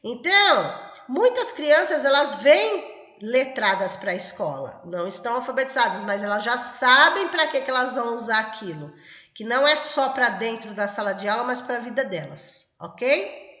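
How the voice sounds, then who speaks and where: Bright-voiced Brazilian woman teaching, echoey room. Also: a little high, lively intonation, moderate pace. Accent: Brazilian Portuguese. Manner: explanatory, checks in with "tá?" and "ok?". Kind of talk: exam-prep lecture. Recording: echoey room with long reverb.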